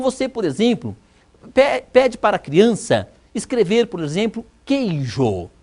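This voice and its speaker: A woman with a Brazilian accent giving a recorded university lecture, teaching by rhetorical questions and emphatic repetition. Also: mid-range voice. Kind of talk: recorded distance-learning lecture.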